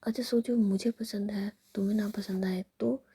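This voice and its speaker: A woman's voice: mid-range voice, steady tone, normal speed, mellow, husky. A woman voicing a sulky, teasing young woman, smug and playful in a whispered role-play.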